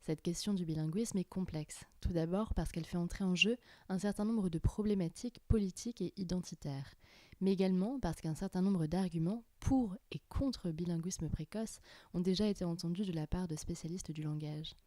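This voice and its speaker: A woman hosts a podcast, reading a scripted opening and asking calm questions in a warm, low, mellow voice. The sound is dry and close, with no room in it. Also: moderate pace, no room sound. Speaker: podcast host. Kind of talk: scripted intro and interview questions.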